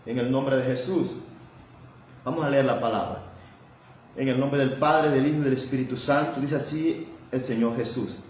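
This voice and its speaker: A man's voice: mid-range voice, normal speed, long pauses, darkish tone. A man preaching a sermon who keeps adding amén and invocations of Jesus, and often stalls and repeats words while he searches for them. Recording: very echoey room with faint background noise.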